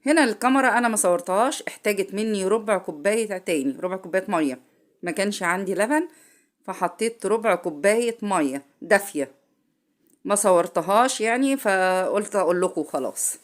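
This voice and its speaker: A woman's voice: mid-range voice, lively intonation, brisk. Egyptian woman with a cold, home cook, casual and chatty, self-correcting in the kitchen. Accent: Egyptian Arabic. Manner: chatty, speaks straight to viewers, corrects herself midway. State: has a cold. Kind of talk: casual cooking tutorial.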